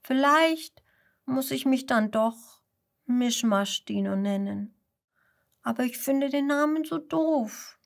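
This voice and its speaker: A woman voicing a kind, helpful little boy dinosaur in a children's audio story, explaining things gently and patiently. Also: high-pitched, animated, takes it slowly, creaky, voice pushed up, exaggerated voice. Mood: sad.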